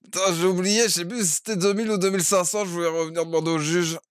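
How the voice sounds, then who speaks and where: Cheeky slangy man, higher voice. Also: steady tone, very fast, no echo. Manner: slangy, cheeky, laughs often. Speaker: streamer roleplaying a defendant. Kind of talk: in-character roleplay chat.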